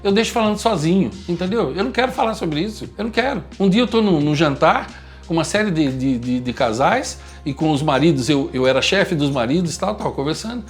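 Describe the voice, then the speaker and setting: A man's voice: a little high, lively intonation, fast talker, faint music behind. A Brazilian man giving a motivational talk in a blunt, emphatic, lecturing manner. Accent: Brazilian Portuguese. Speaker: communication speaker.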